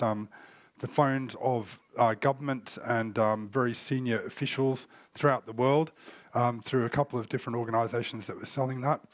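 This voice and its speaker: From a conference stage, a man in his forties who is recovering from a cold, with the odd cough, gives a keynote on cyber threat intelligence. He speaks at a medium pitch in a loose, explanatory way with fillers, and the recording has no echo.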